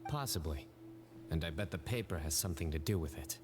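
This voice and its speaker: A deep, deadpan investigator. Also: male voice. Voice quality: measured, deadpan delivery. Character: stern, composed young male investigator. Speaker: game character. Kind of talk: game voice acting. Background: game music.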